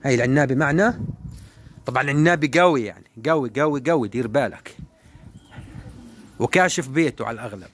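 A man, giving a casual, animated running commentary while flying his pigeons outdoors. He repeats words and calls out to the birds. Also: medium pitch, fast, pauses often, a little hiss or hum. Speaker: pigeon keeper vlogger.

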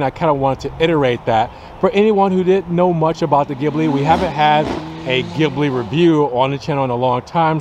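Young male car-channel host, upbeat and chatty, higher-pitched, recorded outdoors on a lot with faint background noise. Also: darkish tone. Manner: chatty, upbeat, addresses viewers as guys. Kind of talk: casual car review to camera. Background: light wind and outdoor ambience.

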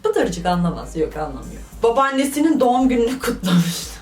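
A young woman vlogger reading viewer stories with animated, joking, exclamatory commentary. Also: on the high side, a little fast, recorded from a distance, faint music behind. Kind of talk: casual comic commentary. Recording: roomy, voice from off the mic.

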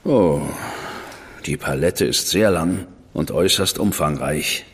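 An actor playing a cool, arrogant government official who speaks in a measured, superior, quietly threatening way. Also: male voice, low voice, husky, long reverb tail, exaggerated voice. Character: cool, arrogant high official, man, middle-aged. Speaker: government official recruiting an investigator. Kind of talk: radio play acting.

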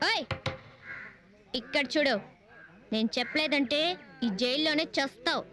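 Headstrong young woman, high pitched, accusing and bossy. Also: unhurried, pushed and bright, faint music behind. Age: young adult. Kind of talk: Telugu film comedy acting.

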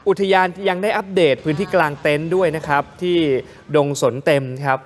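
A man's voice: a little high, fairly quick. A man co-hosting a morning news show, joking with his co-host while narrating travel footage. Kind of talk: casual live TV chat over travel footage.

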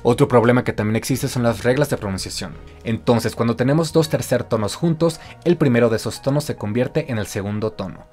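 Man explaining a language in a scripted voice-over, mid pitch, faint music behind. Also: brisk, few pauses, darkish tone. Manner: clear explanatory, listing examples. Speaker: language teacher. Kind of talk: scripted narration.

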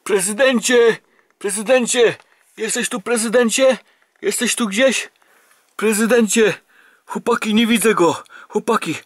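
A man voicing a frantic male soldier toy figure in a comic animation, calling out loudly. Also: sits high, unhurried, dry recording, pitched above the performer's own voice.

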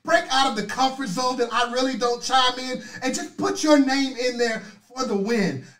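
A middle-aged man with a hoarse voice hosting a motivational livestream, loudly rousing viewers and calling out their names. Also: extremely high pitch, normal speed. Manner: loud, rousing, chanting names. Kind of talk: energetic motivational pep talk. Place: indoors at a desk, virtual city background. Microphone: webcam on a video stream. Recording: echoey, distant mic.

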